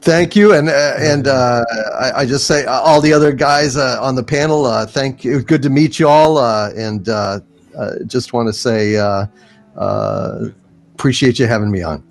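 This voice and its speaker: A man's voice: mid-range voice, moderate pace, gravelly. Encouraging man over background music. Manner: earnest, encouraging. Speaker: panel guest. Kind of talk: casual chat.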